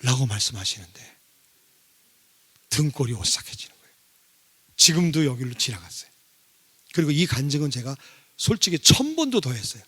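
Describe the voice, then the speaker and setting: A middle-aged man giving a sermon testimony as a guest revival speaker. He speaks in an animated way and poses questions to the congregation. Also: mid-range voice, moderate pace, pauses often, breathy edge. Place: church sanctuary. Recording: long reverb of a church hall.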